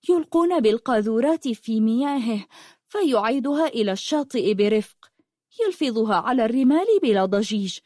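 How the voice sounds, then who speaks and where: Woman doing teenage girl, dreamy, poetic, raised pitch, dry sound. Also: dry recording. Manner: soft, wistful, poetic. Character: dreamy 16-year-old girl who loves the sea.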